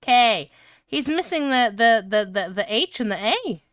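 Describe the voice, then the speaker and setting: A woman's voice: a little high, animated, measured pace, fairly bright tone, no room sound, studio quality. A woman reading fan fiction aloud in a casual livestream style, breaking up into giggles and swearing as she comments. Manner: crude, swearing banter.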